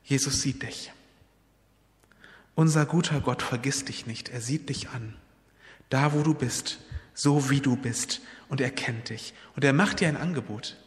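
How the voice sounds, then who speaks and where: A man's voice: medium pitch, a little slow, long reverb tail. A man preaching a sermon, retelling a Bible story in an earnest, personal way and appealing directly to his listeners.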